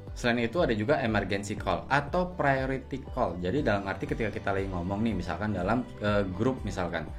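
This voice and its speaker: A man giving a casual product review, explaining things colloquially and straight to the viewer. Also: lowish voice. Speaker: host, gadget reviewer.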